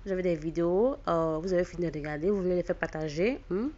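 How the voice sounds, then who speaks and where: A YouTube channel host, a woman with a West African accent speaking French, casually addresses her viewers in a halting, repetitive way full of false starts. Her voice is lowish and mellow, and the recording is dull and lo-fi.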